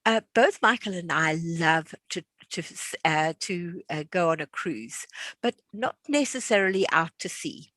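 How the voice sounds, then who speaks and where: A woman's voice: fairly low pitch, animated, a little slow, fairly bright tone, dry recording. A woman in her sixties hosting an online class, chatting casually and laughing easily. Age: 60s. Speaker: class host. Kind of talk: casual hosted chat.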